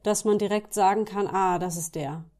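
A woman's voice: medium pitch, fairly even intonation, normal speed, darkish tone. A woman interviewing a singer, speaking thoughtfully with small hesitations as she explains her ideas. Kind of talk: conversational interview.

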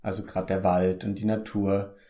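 A man's voice: sits low, flat delivery, moderate pace, warm tone. A young man, an actor from the Palatinate in Germany, chatting casually in an interview, easygoing and full of hesitant fillers and restarts.

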